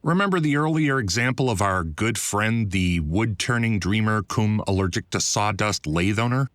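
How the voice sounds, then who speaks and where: Close on a studio voiceover mic, an author who also produces voiceovers reads his own nonfiction audiobook from a script. He sounds conversational, wry and articulate, with a fairly low, fairly bright voice that is expressive at a normal pace. The recording is dry.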